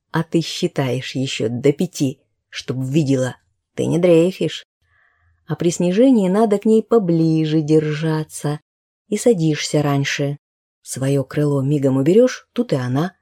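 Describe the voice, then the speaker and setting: Woman, audiobook narrator, wry conversational storytelling, low pitch, dark mellow tone.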